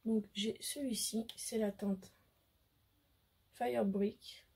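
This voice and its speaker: A hoarse woman with a French accent, a beauty vlogger chatting casually to camera, hesitant and full of fillers. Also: medium pitch, fairly even intonation, very slow, darkish tone. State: hoarse, losing her voice. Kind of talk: casual makeup haul chat to camera.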